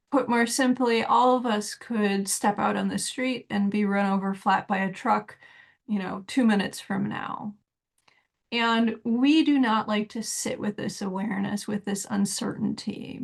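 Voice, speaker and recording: A woman giving a reflective solo talk as a spiritual teacher, measured and thoughtful with soft laughs between points. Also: medium pitch, gravelly.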